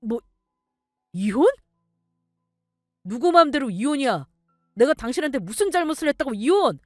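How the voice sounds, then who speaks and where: A woman's voice: high-pitched, sing-song, moderate pace, no echo, studio quality, faint music behind, voice pushed up. A woman voicing a blustering angry husband. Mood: outraged. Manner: blustering, indignant.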